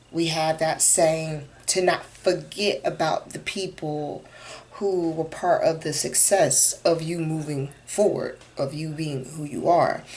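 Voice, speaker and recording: Against noticeable background noise, a woman speaks at a fairly low pitch. Her pace is fairly slow and her intonation fairly even. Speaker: motivational talk channel host. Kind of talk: casual motivational talk. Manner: talking low.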